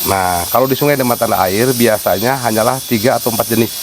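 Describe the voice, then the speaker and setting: A man's voice: medium pitch, fast talker, background noise. A man with a Sundanese accent, working as a site guide, explains things unhurriedly, with many fillers. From West Java, Sundanese. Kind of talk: casual explanatory interview. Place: outdoors at a wooded sacred site.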